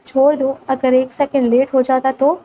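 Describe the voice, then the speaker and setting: A woman's voice: high-pitched, level tone, dark tone, slight background noise, lightly acted. A woman voicing a stern, protective young man who speaks in curt, commanding lines. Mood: scolding.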